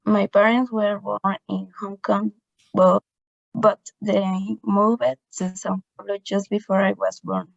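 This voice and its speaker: Slow, gravelly woman reading aloud. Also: mid-range voice, little pitch movement, no echo. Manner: careful, measured reading. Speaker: student. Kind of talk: reading a textbook dialogue aloud. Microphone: video call. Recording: dull, dry video call audio.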